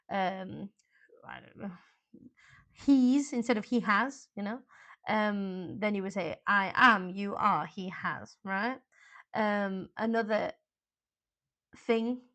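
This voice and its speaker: A woman's voice: medium pitch, fairly bright tone. A woman teaching an exam class in a chatty, informal live online lesson, with frequent fillers and asides.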